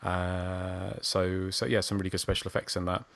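A man's voice: low-pitched, completely flat delivery, normal speed, vocal fry, fairly bright tone, no echo. A man hosting a podcast in a casual, chatty way. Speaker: podcast host. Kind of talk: casual chat.

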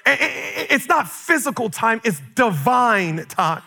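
Caribbean-raised male preacher, very high and forceful, fervent, shouts, stammering repeats. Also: sing-song, a little slow, vocal fry, poor audio. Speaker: pastor. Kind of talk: sermon. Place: church sanctuary with a live congregation.

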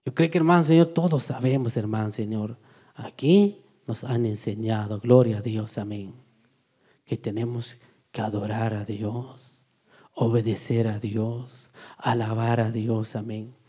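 Fervent preacher, loud then hushed. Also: male voice, fairly low pitch, fairly even intonation, unhurried, slightly rough. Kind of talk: evangelical sermon.

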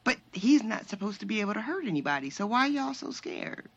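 A woman co-hosting a podcast in casual chat, animated and laughing often. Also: mid-range voice, fairly quick, gravelly, breathy edge, highs cut off. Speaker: podcast co-host.

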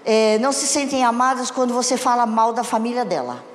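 A woman's voice: fairly high pitch, fairly quick. A woman giving a conversational sermon on marriage to a congregation, often asking them questions. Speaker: church speaker. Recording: echoey hall with long reverb.

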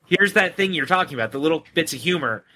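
A man's voice: on the high side, lively intonation, fast talker, sharp tone, a little hiss or hum. A man co-hosting a podcast, casually and enthusiastically talking through scenes of a film. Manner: enthusiastic, recounts scenes with quoted lines. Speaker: podcast co-host.

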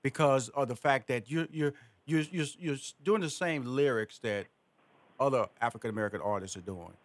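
A man's voice: mid-range voice, moderate pace, no room sound. A man hosting a radio interview, enthusiastic and given to repeating words as he starts a thought. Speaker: interview host.

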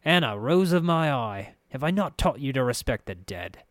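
A man's voice: medium pitch, expressive, normal speed, no echo, pitched above the performer's own voice, lightly acted. Man voicing a silky, menacing underworld boss, dry sound. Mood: mock-courteous. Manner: silky, mock-courteous, menacing. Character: sly, theatrical male underworld boss with a crutch.

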